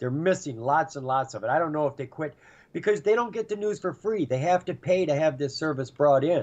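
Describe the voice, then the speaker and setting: Against a quiet background, a man with a normal speaking voice talks fairly quickly, his fairly high pitch carried by lively intonation. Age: 60s. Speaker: stock trader. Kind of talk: casual chat.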